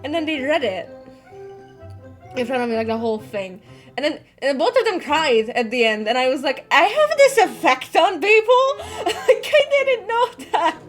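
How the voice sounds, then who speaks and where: A woman webcomic artist chatting casually as she answers fan comments, laughing often and swearing freely. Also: on the high side. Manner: giggly, chatty, laughs often between sentences. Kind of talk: casual Q&A chat.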